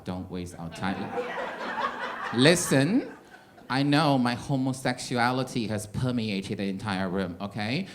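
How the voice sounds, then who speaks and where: A man's voice: fairly low pitch, background noise. A young gay man doing stand-up in a comedy club, speaking non-native English with a slight American twang, wry and chatty with the audience. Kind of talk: stand-up set.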